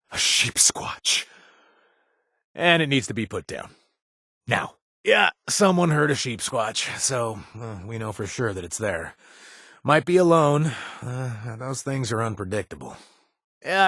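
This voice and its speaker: A wisecracking wasteland quest-giver in a video game. The voice is husky and slightly breathy, with a pitch that jumps around a lot as he rambles through job briefings. It is close and dry, with no room sound. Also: a bit bright, no room sound, exaggerated voice. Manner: chatty, rambling, punny asides. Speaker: companion character in a video game. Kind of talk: studio game voice acting.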